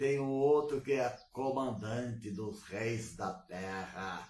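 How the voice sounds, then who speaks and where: Against audible room echo, a man talks at a very slow pace with ordinary pitch variation. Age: 60s. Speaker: pastor. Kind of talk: sermon. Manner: animated.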